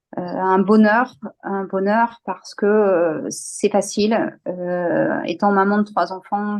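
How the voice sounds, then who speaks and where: Speaking at a very slow pace, a woman holds a medium pitch with ordinary variation. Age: 40s. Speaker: hairdresser and customer giving testimony. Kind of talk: testimony.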